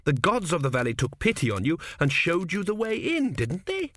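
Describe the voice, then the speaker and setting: A man's voice: fairly high pitch, wildly swooping pitch, moderate pace, a bit bright, dry recording, clean studio sound, voice pushed up. A man voicing an earnest, naive young prince who sounds anxious and a little pleading in an audiobook. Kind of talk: audiobook character voice.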